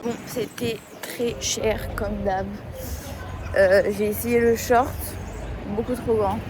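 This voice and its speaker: A woman's voice: a little high, fairly even intonation, slow, music in the background. A young woman vlogging casually as she walks through city streets, chatty and rambling as she thinks aloud. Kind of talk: casual travel vlog while walking. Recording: street noise, passing traffic. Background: urban street ambience with vehicles.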